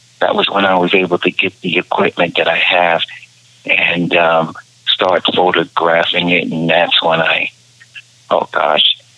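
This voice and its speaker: Amid noticeable background noise, a man with a very deep, low voice speaks fairly slowly in a monotone, flat delivery. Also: very even loudness. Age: 70s. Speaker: UFO skywatcher and retired truck driver. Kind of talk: casual interview chat. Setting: remote call.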